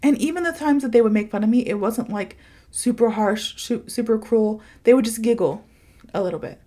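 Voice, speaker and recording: A woman's voice: a little high, brisk, mellow. Chatty, informal woman podcaster. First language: English. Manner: chatty, informal, emphatic with giggly asides. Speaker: podcast host and English teacher. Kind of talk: casual motivational podcast monologue.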